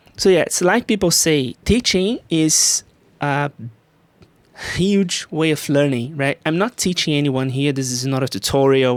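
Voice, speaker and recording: The talking comes at a moderate pace, carried in a non-native accent. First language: not English. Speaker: technical sound designer. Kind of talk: devlog screen walkthrough. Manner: halting, many fillers.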